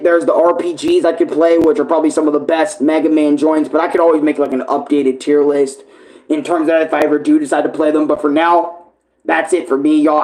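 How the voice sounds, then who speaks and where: A young man chatting casually on a livestream, rambling and swearing with enthusiasm, his voice hoarse and worn. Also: on the high side, darkish tone. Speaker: streamer ranking games. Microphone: tablet camera.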